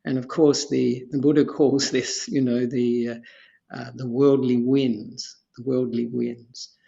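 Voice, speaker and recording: An Australian Buddhist monk in his seventies, giving an unhurried teaching talk as a podcast guest, rambling and repeating phrases with soft chuckles. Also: mid-range voice, level tone, creaky, muffled recording. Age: 70s.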